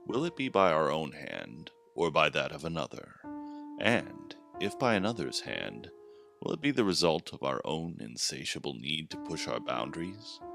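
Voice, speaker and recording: A man's voice: very deep voice, very animated, moderate pace, gravelly. A man narrating a first-person horror story in a tense, dramatic manner over background music. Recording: music playing behind.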